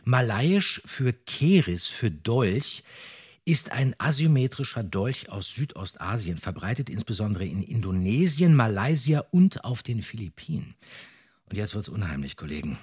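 A man's voice: fairly low pitch, sing-song, unhurried, a little mellow, slightly rough. A middle-aged podcast co-host, a man chatting casually in a playful, mock-dramatic way. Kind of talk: casual chat.

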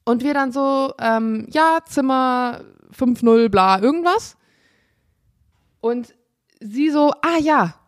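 A woman with a slightly high voice tells a story in a relaxed podcast chat. She brings each exchange to life by pitching her voice up for the quoted lines and laughs often as she goes. She is recording from a hotel room. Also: slow, long pauses. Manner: lively, acts out dialogue in raised voices, laughs often. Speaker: podcast co-host.

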